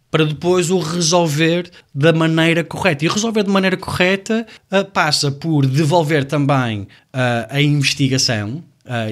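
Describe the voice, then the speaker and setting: A man with a European Portuguese accent, a service designer explaining his work in a relaxed interview with frequent restarts. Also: on the high side. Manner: reflective, explains step by step with many restarts. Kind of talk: conversational interview.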